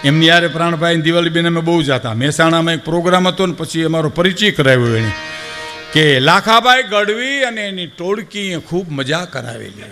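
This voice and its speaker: An older man with a Saurashtra Gujarati accent telling folk anecdotes to a live audience, acting out the people he quotes and often calling listeners sir. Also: a little high. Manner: animated, acts out quoted speakers, addresses audience as sir. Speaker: folk storyteller. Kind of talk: dayro storytelling to a live audience.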